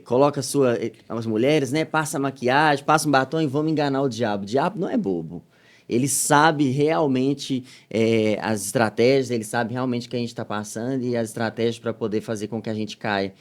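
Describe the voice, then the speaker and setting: Animated man telling a story. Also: mid-range voice. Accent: Minas Gerais Portuguese. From Minas Gerais, Brazil. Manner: animated storytelling, swings from loud to soft. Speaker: missionary guest. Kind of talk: podcast testimony.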